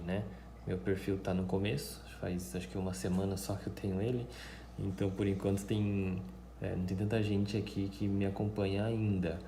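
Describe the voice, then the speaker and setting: Mandarin-native man, low mellow voice. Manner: chatty, many fillers and tag questions. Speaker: language teacher. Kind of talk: casual vlog talk to viewers. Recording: echoey room, faint background noise.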